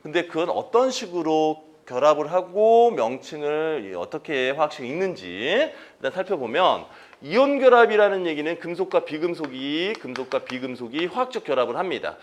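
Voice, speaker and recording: Lively male chemistry lecturer, quizzing. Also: on the high side, moderate pace, hardly any pauses. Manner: quizzes students with questions and answers them himself; repeats key terms. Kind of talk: exam-prep lecture.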